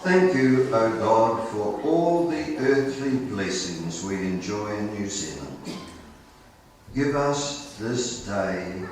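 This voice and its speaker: A man with a fairly low voice speaks very slowly and deliberately, like a clergyman at an informal event. The recording is heavily echoing and picked up from a distance. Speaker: clergyman giving a blessing at a book launch. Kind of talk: informal event address and prayer. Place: roomy indoor gathering, mic at a distance. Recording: echoey room, distant mic, faint noise.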